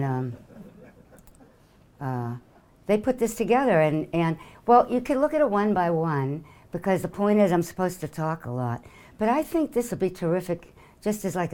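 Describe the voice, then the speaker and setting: A woman's voice: low-pitched, mellow. An older woman from New York with a New York accent, giving a casual, joking talk as a guest speaker, with many fillers.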